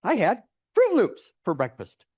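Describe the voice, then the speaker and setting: A man voicing an excitable little schoolboy in a storytelling speech, exclaiming and questioning. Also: high voice, a little slow, husky, heavily acted. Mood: proud.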